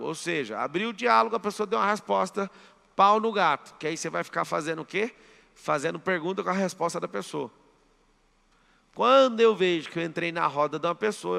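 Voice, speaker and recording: A man's voice: sits high, vocal fry, pushed and bright. A Brazilian Portuguese-accented man mentoring a live audience in a large hall, speaking emphatically and telling listeners what to write down. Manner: emphatic, drills the audience with commands. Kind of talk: live motivational seminar talk. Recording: long hall reverb.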